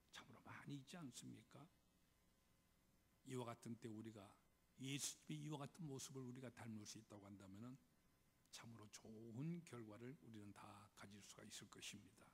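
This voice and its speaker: Male pastor preaching in a reverberant hall. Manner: storytelling with rhetorical questions to the congregation. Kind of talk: Sunday sermon. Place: church sanctuary. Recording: reverberant hall with faint low rumble.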